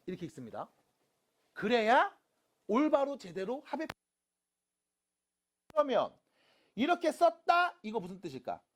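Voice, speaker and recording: A math teacher lecturing high school students in a playful way, asking questions and answering them, with silly sound effects while writing. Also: wildly swooping pitch, a little slow, pauses often. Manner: talks students through writing on a board.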